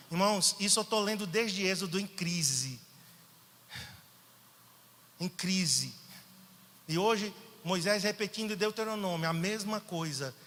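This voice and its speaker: A pastor from Brazil preaching a sermon. He is animated, moving from soft, quiet passages to emphatic outbursts, in a church hall. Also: high-pitched. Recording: long hall reverb.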